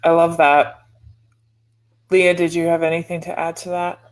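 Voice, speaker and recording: Low-voiced woman hosting a call. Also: monotone, moderate pace. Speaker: host. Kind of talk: live panel moderating. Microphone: headset on video call.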